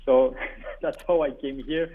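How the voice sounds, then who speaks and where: Speaking at a measured pace with a mid-range voice and fairly even intonation, a man in his forties chats as a radio guest over a phone line. He has a French-speaking Belgian accent, was born in Burundi, is a native French speaker, and often repeats words as he searches for them.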